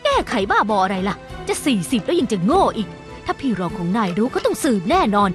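A sharp-tongued, scolding woman of a wealthy family for a TV drama. She speaks fast with a lively, swooping pitch. Music plays clearly beneath her. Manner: scolding, quick and expressive. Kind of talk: Thai dub of a TV drama. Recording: studio dub with music bed.

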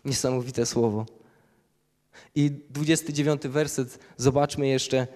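A man's voice: medium pitch, fairly even intonation, a little slow, darkish tone. A man preaching a sermon, reading Bible passages aloud and explaining them verse by verse. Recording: long hall reverb.

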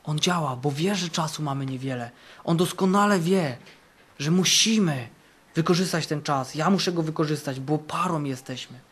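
A male camp preacher in full sermon mode, his fairly high voice rising for bold declarations and dropping for quiet, earnest passages. He drives points home by repeating key phrases. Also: moderate pace, slightly rough. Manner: fervent, repeats phrases for emphasis, swings between loud and hushed. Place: camp meeting.

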